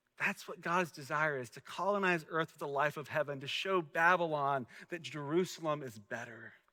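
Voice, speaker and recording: A bright, sharp, fairly high male voice in a Southern US accent, with big swings in loudness and hardly any pauses. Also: ordinary pitch variation, moderate pace. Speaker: senior pastor. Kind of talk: sermon.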